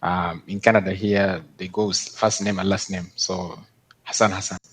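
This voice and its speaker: A man's voice: low-pitched, level tone, moderate pace, husky. A man, originally from Darfur, giving careful, hesitant testimony to a court over a video call. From Sudan, Darfur. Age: 20s. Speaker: victim testifying.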